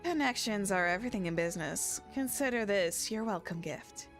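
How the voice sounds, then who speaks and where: A woman's voice: medium pitch, lively intonation, moderate pace, pitched below the performer's own voice, close to an everyday voice. A woman voicing a sly, teasing young shady merchant in a game, with theatrical salesy delivery. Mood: smug, salesy. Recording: music behind the voice.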